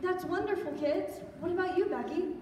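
A woman playing a gentle, encouraging mother in an amateur stage radio play. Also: very high-pitched, normal speed. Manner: gentle, agreeable. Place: church stage before an audience. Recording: echoey church hall, distant, faint noise.

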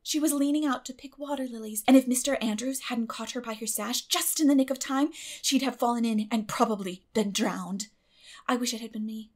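Woman acting a storybook orphan girl, high-pitched, dramatic, gushing, flowery, imaginative. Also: a little fast, a little mellow, natural voice.

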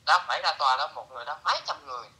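Bright-voiced middle-aged man telling a story. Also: on the high side, very fast, rough recording. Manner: lively, mixes in broken English phrases. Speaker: interviewee. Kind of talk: casual storytelling.

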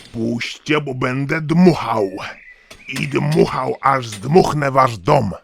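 A man voicing a menacing cartoon big bad wolf with slow, drawn-out threats and a gravelly voice. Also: mid-range voice, a little hiss or hum. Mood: menacing, gloating.

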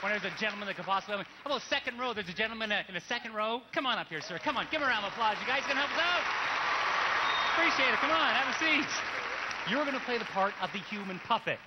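An American man in his forties with a high, quick voice, doing ventriloquist stage patter. He is on a headset mic in a theatre with a very loud audience. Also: lively intonation, a loud crowd, very noisy. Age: 40s. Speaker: ventriloquist performer. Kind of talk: live stage comedy patter.

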